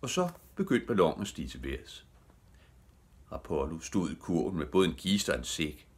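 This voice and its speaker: An older man reading a children's bedtime story aloud with gentle, lively storytelling. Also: a bass voice, breathy edge. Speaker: audiobook reader.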